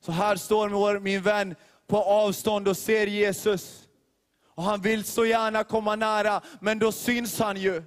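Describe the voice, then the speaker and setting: A man's voice: sits high, level tone. A male youth leader preaching a sermon with emphatic, repetitive phrasing and rhetorical questions. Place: large church hall. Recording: long hall reverb.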